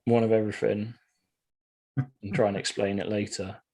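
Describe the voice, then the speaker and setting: A man's voice: lowish voice, level tone, moderate pace, warm tone, husky. Easygoing man chatting casually. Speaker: podcast co-host. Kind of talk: casual chat.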